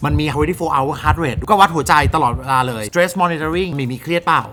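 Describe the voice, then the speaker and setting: A man hosting a casual product review, chatty and excitable, teasing the young woman beside him. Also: fairly high pitch, normal speed, music in the background. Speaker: host. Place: home.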